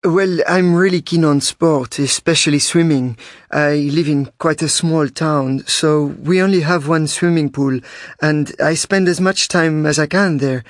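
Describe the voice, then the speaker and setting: A man's voice: on the high side, unhurried, no echo, studio quality. A man reading a scripted monologue in a plain, conversational way. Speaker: speaker in a listening exercise.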